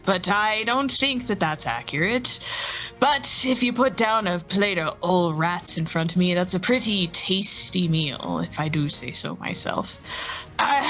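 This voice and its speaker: A woman's voice: mid-range voice, a bit bright, lightly acted, rough recording. A woman voicing a boastful, dim-witted pirate navigator who brags and stumbles over words. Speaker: player.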